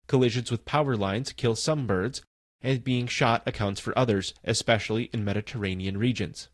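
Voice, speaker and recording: A man reading an encyclopedia article aloud in a steady, even manner. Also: medium pitch, moderate pace, no echo, studio quality. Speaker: volunteer article reader.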